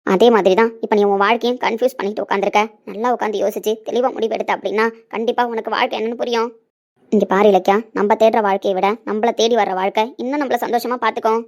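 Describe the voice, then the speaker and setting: A woman's voice: a little high, fairly even intonation, quick pace, a little mellow, close to an everyday voice. A woman playing a desperate middle-aged mother who pleads with and scolds her daughter in an emotional family drama. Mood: scolding. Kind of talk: Tamil web-series acting.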